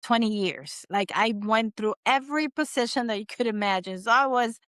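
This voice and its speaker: Smooth-voiced Dominican-born woman. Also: fairly high pitch, moderate pace, no echo, clean studio sound. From Dominican Republic. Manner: animated storytelling, acts out her own past thoughts. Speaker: guest, agency owner. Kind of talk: casual interview.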